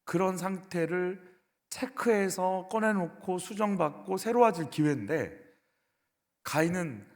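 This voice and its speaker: Lively, expressive Korean pastor preaching in a reverberant church. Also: male voice, sits high, measured pace. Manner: emphatic preaching with rhetorical questions to the congregation. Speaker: senior pastor. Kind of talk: sermon. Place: church sanctuary. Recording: echoey church hall.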